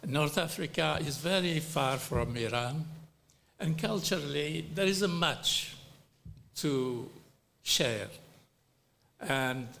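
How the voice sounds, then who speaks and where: Slow, deliberate man from Algeria. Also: a little high, vocal fry, sharp tone, slight background noise. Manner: slow and deliberate, with frequent pauses and fillers. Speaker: panel speaker at a human rights hearing. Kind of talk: formal prepared speech.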